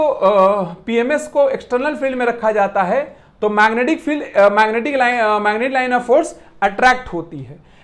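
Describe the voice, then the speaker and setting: A physics teacher giving a lecture, explaining in an animated way with repeated points, rhetorical questions and playful classroom comparisons, mixing English technical terms into the talk. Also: medium pitch. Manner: mixes English technical terms into Hindi speech.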